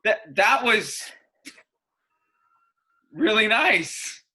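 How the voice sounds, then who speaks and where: An actor playing a polite, bemused man in a comedy sketch, awkward and halting in his delivery. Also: sits high, big pitch swings, bright, forceful tone, breathy edge, full character voice. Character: polite, bemused young man being serenaded. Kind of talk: virtual staged comedy sketch reading.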